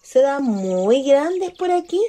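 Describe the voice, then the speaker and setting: A woman's voice: high voice, big pitch swings, takes it slowly, mellow, full character voice. A woman acting a guileless, eager Chilean country ghost in a radio play.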